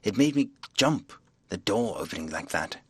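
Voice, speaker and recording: A man voicing an irritable, earnest gentleman investigator in an audiobook, clipped and easily rattled. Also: on the low side, animated, normal speed, husky, no room sound. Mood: fretful, insistent.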